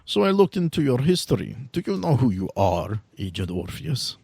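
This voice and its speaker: A man voicing a courtly, shrewd old vampire power broker, speaking in stiff, formal, deliberate phrases. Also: mid-range voice, big pitch swings, gravelly, a little mellow, breathy edge, no room sound, full character voice. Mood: intrigued, storytelling. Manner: formal, deliberate, avoids contractions. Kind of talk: in-character tabletop roleplay.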